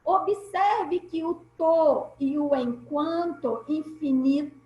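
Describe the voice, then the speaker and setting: A woman's voice: high voice, slow, warm tone, dull audio. A woman teacher with a Brazilian Portuguese accent, giving an online class over a video call, patient and explaining step by step with repeated key points. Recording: echoey room.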